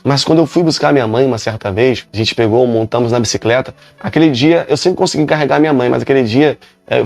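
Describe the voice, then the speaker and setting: Preaching his testimony, a Brazilian pastor from Rio de Janeiro tells the story of his conversion with emphasis and lots of repetition. He has a creaky mid-range voice, captured in a dry recording.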